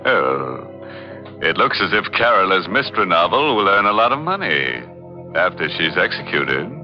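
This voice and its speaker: An American actor playing a gleeful, sardonic horror host in 1940s radio style, with a drawn-out sinister delivery. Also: male voice, low voice, very animated. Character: ghoulish, gleeful male horror show host. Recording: dull old radio recording, organ music behind.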